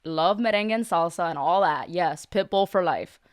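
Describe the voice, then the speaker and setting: Podcast host, woman, Miami accent. Smooth clear tone, dry sound, informal and chatty. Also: on the low side, moderate pace, dry recording. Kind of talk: casual interview chat.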